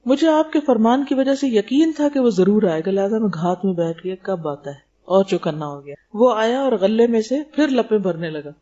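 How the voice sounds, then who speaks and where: A woman's voice: medium pitch, hardly any pauses, warm tone, lo-fi sound. A woman teaching a religious lecture, explaining terms and asking rhetorical questions. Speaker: Islamic teacher.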